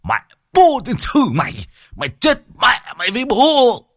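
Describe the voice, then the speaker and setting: A man narrator voicing a gruff retired old village grandfather who barks and curses. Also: deep voice, big pitch swings, normal speed, a bit bright, no echo, clean studio sound, full character voice. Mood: furious cursing. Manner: cursing, barking outbursts.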